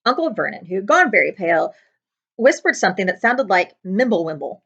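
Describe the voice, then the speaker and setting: Woman, storybook read-aloud, librarian, medium pitch with lively swings, slightly dull home recording. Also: a little fast, vocal fry, slightly rough. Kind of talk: expressive children's chapter book read-aloud.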